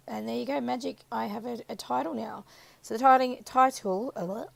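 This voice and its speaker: A woman with a croaky, scratchy voice chatting casually through a crafting voiceover, rambling and correcting herself as she goes. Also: on the high side, fairly even intonation, moderate pace. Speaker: craft video maker. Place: voiceover recorded apart from the footage.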